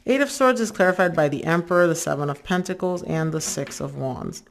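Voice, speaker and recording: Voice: medium pitch, fairly quick, gravelly, noisy background. A tarot reader giving a casual reading to viewers, chatty and full of filler words, who often acts out the listener's inner thoughts.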